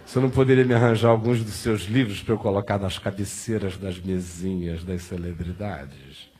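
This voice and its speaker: A man with a Brazilian accent playing a fawning, foolishly starstruck admirer in a hushed, ingratiating manner within a sermon. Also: low-pitched, normal speed, pitched below the performer's own voice, close to an everyday voice.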